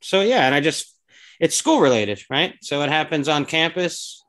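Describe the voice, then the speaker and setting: A man's voice: fairly high pitch, lively intonation, normal speed, a bit bright. A man with a Long Island accent, co-hosting a podcast in loose, rambling casual chat full of fillers. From New York. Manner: laid-back, rambling with fillers. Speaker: podcast co-host.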